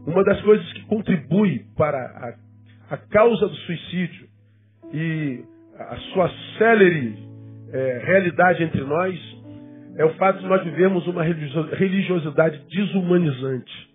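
Brazilian guy around 50, rio accent, preaching, higher-ish voice, tinny sound w guitar music behind. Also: measured pace, breathy edge. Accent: Brazilian, Rio de Janeiro. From Rio de Janeiro, Brazil. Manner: repeats and rephrases words for emphasis. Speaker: pastor preaching. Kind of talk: sermon, conversational teaching to a congregation.

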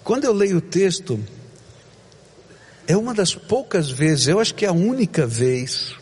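A male pastor preaching a sermon, with dramatic swings between loud emphasis and hushed, slow moments. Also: high-pitched, very animated, breathy edge, long reverb tail.

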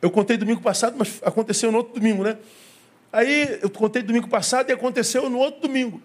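A pastor's sermon comes in a very high, steady male voice at a quick pace, carrying a Brazilian Portuguese accent. Through storytelling he acts out the dialogue and returns again and again to the same phrases.

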